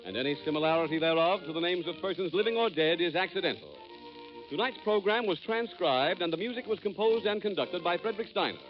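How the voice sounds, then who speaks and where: A man making the program announcements and sponsor messages in 1940s radio style, heard from an old broadcast disc recording. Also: high-pitched. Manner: emphatic, lively announcer delivery. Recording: dull old broadcast transcription. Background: music.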